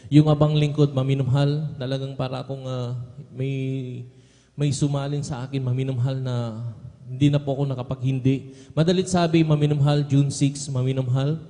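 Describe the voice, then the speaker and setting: A young Filipino man, a church member, gives an earnest testimony at a prayer service, adding "beloved" after nearly every phrase. His medium-pitched voice is mellow and fairly quick but flat, with the long reverb of a church hall around it.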